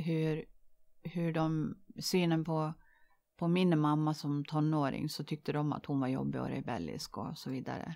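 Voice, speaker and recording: Over a quiet background, a woman speaks fairly slowly in a very deep, low pitch with fairly even intonation. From Sweden, Dalarna (near Leksand); Dalarna, Sweden. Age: 50s. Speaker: interview guest sharing life story; interview guest. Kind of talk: podcast interview. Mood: reflective, personal. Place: studio. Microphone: studio mic.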